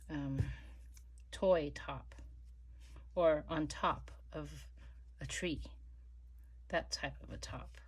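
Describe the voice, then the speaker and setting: A middle-aged woman chatting casually while she crafts, rambling with many fillers and dropping to soft murmurs as she works. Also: low-pitched, husky. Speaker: crafting vlogger.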